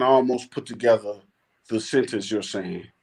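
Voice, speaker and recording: A man's medium-pitched voice with an American accent, at a moderate pace. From US Midwest. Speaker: live stream guest. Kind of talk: casual chat.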